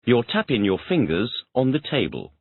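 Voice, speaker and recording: A man's voice: medium pitch, big pitch swings, moderate pace, breathy edge, no room sound. A man taking an English lesson, answering each question by repeating it back in complete sentences. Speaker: English student. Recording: tinny phone-like dry audio.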